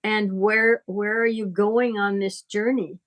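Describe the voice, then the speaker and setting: Woman teaching spiritual stuff in a chatty way, mid-pitched voice, deliberate and kinda preachy. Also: little pitch movement. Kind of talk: conversational teaching talk.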